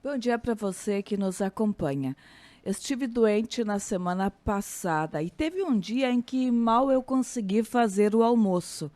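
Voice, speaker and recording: A woman with a Brazilian accent giving a calm, reflective scripted radio commentary, slowing down on key phrases. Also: medium pitch. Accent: Brazilian Portuguese.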